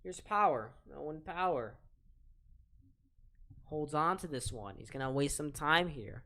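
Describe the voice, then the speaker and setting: An eighteen-year-old man with a soft voice, casually calling live hockey play-by-play on a stream and chatting with viewers between plays. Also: a little high, expressive, unhurried. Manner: chatty, reads chat aloud and talks to viewers between plays. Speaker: play-by-play commentator and stream host.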